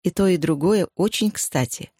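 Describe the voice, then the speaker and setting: A woman reading the part of a lonely, courteous German-born eye surgeon, speaking with a German accent in a measured, wry way. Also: on the low side, mellow, husky, no room sound, studio quality. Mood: grateful.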